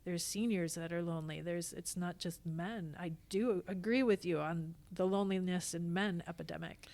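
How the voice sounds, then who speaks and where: In a fairly low, slightly mellow voice at a moderate pace, a woman reflects casually as a podcast guest. She is a theatre actor and company founder, and her manner is emphatic and earnest.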